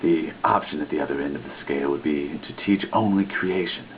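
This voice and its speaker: A man giving a theatrical, mock-dramatic reading of a written text, with big swings in pitch and stress. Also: a little fast. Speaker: reader. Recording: tinny lo-fi recording with faint noise.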